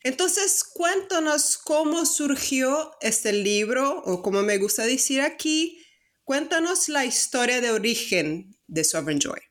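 A Brazilian woman whose first language is Portuguese, hosting an academic book interview podcast in a measured, formal way. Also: sits high, lively intonation. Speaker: podcast host.

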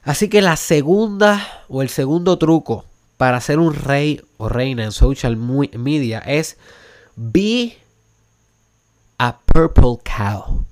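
A man's voice: mid-range voice, animated, slow. Puerto Rican male podcast host, mid-range voice, emphatic motivational monologue that slips in English phrases. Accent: Puerto Rican Spanish. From Puerto Rico. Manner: emphatic, rising to urgent rhetorical questions; drops English words into Spanish.

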